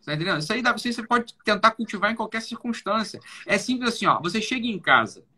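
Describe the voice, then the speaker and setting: A high, fast-talking man with a husky, slightly rough voice hosts a live stream. He talks bluntly and insistently, circling back to the same points and dropping the occasional curse word. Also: sing-song, pushed and bright. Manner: insistent, repetitive, blunt with swearing. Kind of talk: emphatic casual talk.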